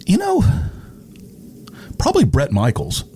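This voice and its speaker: A man's voice: a little high, huge pitch swings, measured pace, dark tone. A middle-aged man talking casually as an interview guest, hesitant, thoughtful and good-natured. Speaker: interview guest, radio personality. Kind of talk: casual chat. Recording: clear background noise.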